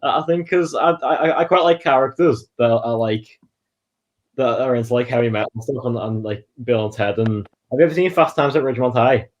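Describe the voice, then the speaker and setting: A man's voice: medium pitch, a little fast, muffled recording. A man, a guest on a casual film chat over a video call, talking hesitantly with many restarts. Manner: hesitant, unsure, restarts often.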